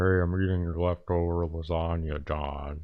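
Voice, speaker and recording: In a put-on character voice, a man speaks at a moderate pace with a very deep, low pitch and monotone, flat intonation. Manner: lazy.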